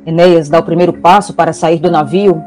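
A woman's voice: fairly low pitch, steady tone, fairly quick. A woman narrating a scripted story as the narrator of an audio drama. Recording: loud background guitar music.

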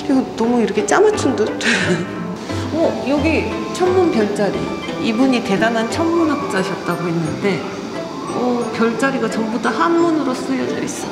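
A woman's voice: a little high, sing-song, normal speed, poor audio. A woman vlogger casually explaining a historic site on a cycling trip, chatty, with frequent laughs and fillers. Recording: loud background music.

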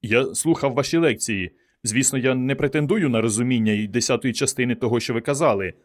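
A man voicing an earnest, excitable young doctor who speaks with fervent conviction. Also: mid-range voice, brisk, lightly acted. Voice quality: fervent, emphatic.

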